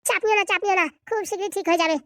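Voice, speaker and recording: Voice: extremely high pitch, steady tone, racing, a bit bright, no room sound. A performer voicing a boastful male quack village doctor in a cartoon comedy, talking in smug, reassuring patter.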